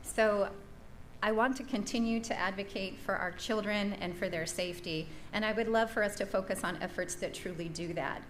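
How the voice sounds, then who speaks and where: A woman giving an earnest, measured public comment at a school board meeting. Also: mid-range voice, steady tone, fairly bright tone. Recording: roomy echo, faint noise.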